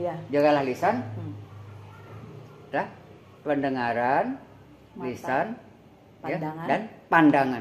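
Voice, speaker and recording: A man with a fairly high pitch and lively intonation speaks at a fairly slow pace. Long, frequent pauses break up his speech. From Sukabumi, West Java. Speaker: cultural figure, puppeteer. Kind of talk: interview answer.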